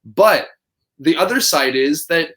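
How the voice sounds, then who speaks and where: A man's voice: fairly high pitch, animated, unhurried, fairly bright tone. A man from Canada, a guest on a casual video chat, talking earnestly and stopping to search for words.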